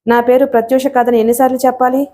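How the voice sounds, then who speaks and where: A woman voicing a volatile young woman with a split personality, defiant and shrill in a storybook reading. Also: flat delivery, quick pace, mellow, close to an everyday voice.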